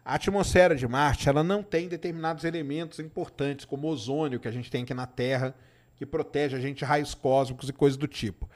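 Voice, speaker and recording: His voice is on the high side, steady and a little mellow, and he talks fairly quickly. The middle-aged Brazilian, speaking Minas Gerais Portuguese, hosts a science live stream where he casually chats with viewers and answers chat questions using the tag "tá?".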